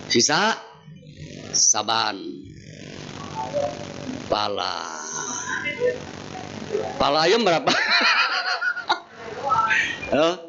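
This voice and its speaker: Lively man preaching. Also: mid-range voice, extremely slow, creaky, pauses often. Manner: animated, acts out quoted dialogue in shifting voices. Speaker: Buddhist preacher. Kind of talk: humorous sermon storytelling. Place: temple hall. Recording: dull lo-fi sound with faint noise.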